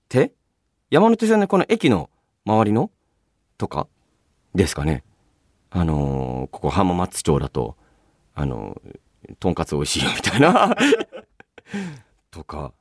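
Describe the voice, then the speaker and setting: Lively, low-voiced male radio host. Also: a little slow, long pauses, no echo, studio quality. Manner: polite, expressive, often breaking into laughter. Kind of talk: chatty radio talk, reading listener mail. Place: radio studio. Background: background music.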